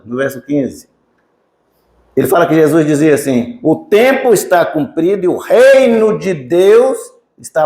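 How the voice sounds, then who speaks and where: A man's voice: high voice, darkish tone, echoey room. A male preacher from Minas Gerais with a Mineiro accent, teaching a sermon emphatically and putting questions to the congregation. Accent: Mineiro Brazilian Portuguese. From Minas Gerais, Brazil. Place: church sanctuary.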